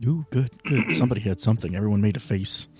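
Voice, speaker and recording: A man's voice: lowish voice, fast, a little mellow, breathy edge. A man hosting as game master, chatting casually and joking playfully. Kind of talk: casual podcast banter and game narration.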